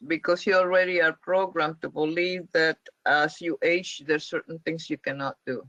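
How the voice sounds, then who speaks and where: A man's voice: a little high, little pitch movement, normal speed, a bit bright, dry recording. A man leading a spiritual question-and-answer class, explaining emphatically and repeating his points. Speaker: spiritual teacher. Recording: dull lo-fi dry sound.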